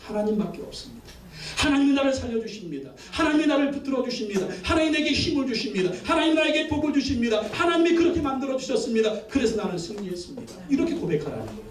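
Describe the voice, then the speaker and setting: A male pastor preaches with emphasis, stacking repeated phrases and calling for responses. His voice sits high for a man. It carries through a roomy church sanctuary and is picked up from some way off. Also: very animated, very fast, few pauses. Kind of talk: sermon. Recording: echoey church from a distance.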